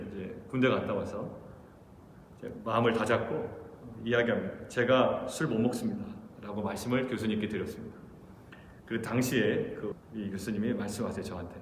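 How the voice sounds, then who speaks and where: Korean pastor preaching in an echoey church. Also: male voice, fairly low pitch. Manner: storytelling, acting out quoted voices. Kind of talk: early-morning sermon. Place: church sanctuary. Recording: echoey church hall with faint noise.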